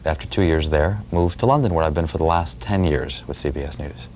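Low-voiced New York man telling a story. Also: darkish tone, a little hiss or hum. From New York City. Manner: storytelling, measured, explanatory. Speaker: author and radio reporter. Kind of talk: studio interview answers. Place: dark television studio. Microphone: lapel mic.

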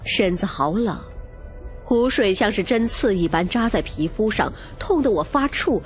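A woman's voice: medium pitch, animated, measured pace. A woman reading a romance novel as dramatic, scripted first-person narration. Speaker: audiobook narrator. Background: music.

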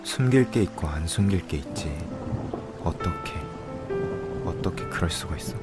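A man's voice: low-pitched, animated, moderate pace, over loud music. A young man acting a disappointed, reproachful boyfriend in a radio drama. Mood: betrayed, reproachful.

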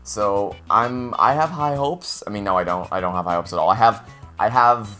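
A young man, slightly raspy after just waking up, giving casual, rambling commentary over his racing game and often restarting his sentences. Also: on the low side, moderate pace, sharp tone. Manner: rambling, with frequent restarts and self-corrections. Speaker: let's play host. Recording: game music playing underneath.

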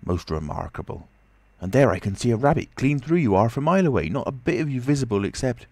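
A man voicing a rough, excitable old tramp in an audiobook, talking in a flustered, rustic way. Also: medium pitch, fast, dry recording, voice pushed up. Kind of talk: audiobook character voice.

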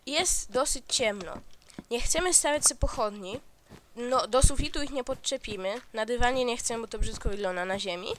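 A man hosting a game tutorial voice-over, explaining step by step and correcting himself as he goes. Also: very high voice. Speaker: gaming channel host. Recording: noisy home recording with mouse clicks.

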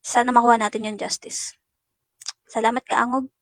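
A netizen relates her ordeal to viewers in uneven, emotional bursts, again and again addressing them as guys. Her voice is a little high with little pitch movement and normal speed, recorded dry and close with no room sound.

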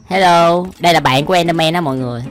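A man's voice: fairly high pitch, very fast, fairly bright tone. A young man giving casual, exclamation-filled reaction commentary as a YouTube host, often amused by what he watches. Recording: music behind the voice. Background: music.

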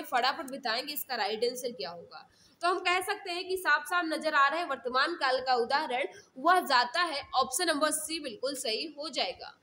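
During a live mock-test lesson online, a woman reads out exam questions and explains the answers, repeating key phrases for her viewers. Her voice sits high and has a sharp tone.

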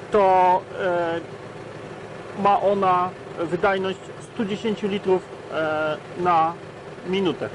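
A man's voice: sits high, background noise. A man in his thirties presenting a tractor test outdoors in a field, talking with frequent hesitation sounds between facts. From Poland. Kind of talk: product review walkaround.

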